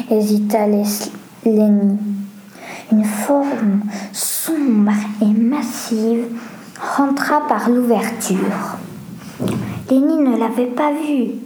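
A woman reads a story aloud, slow and careful, stumbling now and then. Her voice is high but dark and mellow in tone. A roomy echo and faint background noise surround it. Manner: slow, careful reading with small restarts.

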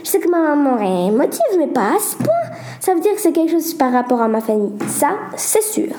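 A woman voicing an anxious, emotional young girl who talks in a high-strung, pleading way. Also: very animated, a little fast, dark tone, echoey room. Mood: upset.

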